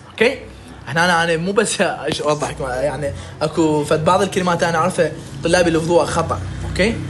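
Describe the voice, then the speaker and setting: A man with an Iraqi Arabic accent giving a recorded medical lecture, lively and jokey, often checking in with his students. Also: on the high side, a little hiss or hum.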